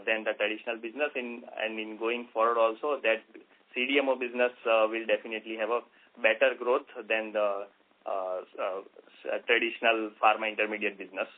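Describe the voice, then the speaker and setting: Man, Indian accent, corporate executive, earnings call answers, halting delivery, thin phone audio. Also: fairly low pitch. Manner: halting, formal, measured phrasing. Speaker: company executive. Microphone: telephone conference line. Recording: tinny narrowband conference phone line.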